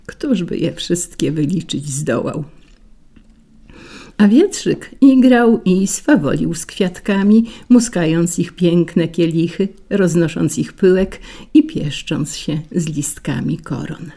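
A woman reads a storybook fable aloud, measured and unhurried as she lingers over each item. Her voice is husky with a gravelly grain and a dark, mellow tone. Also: lowish voice. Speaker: narrator. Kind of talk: storybook reading.

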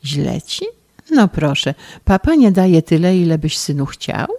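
Old fussy uncle as a woman reads him, low and coaxing, dry sound. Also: very animated, measured pace, a little mellow, no echo, heavily acted. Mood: coaxing, bemused. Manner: bemused, coaxing. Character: bald elderly uncle, fussy scholar. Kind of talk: audiobook reading.

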